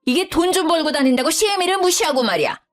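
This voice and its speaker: A bossy older mother-in-law, scolding and condescending, her voice pitched high and sharp with indignation, as a woman storyteller puts her on. She nags without letting up, the way a storybook matriarch lectures the young wife she looks down on. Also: lively intonation, normal speed, faint music behind. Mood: furious.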